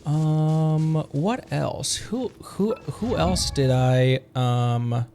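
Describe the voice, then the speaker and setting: A man's voice: a little high, very slow, mellow, faint music behind. A man chatting casually as he hosts a gaming livestream, rambling in loose asides. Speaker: streamer and channel host.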